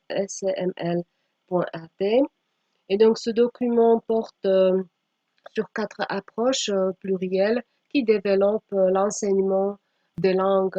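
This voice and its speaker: A medium-pitched woman, working as a teacher trainer, gives a slide presentation, speaking haltingly with frequent pauses and occasionally reading aloud. The recording sounds dull and echoey.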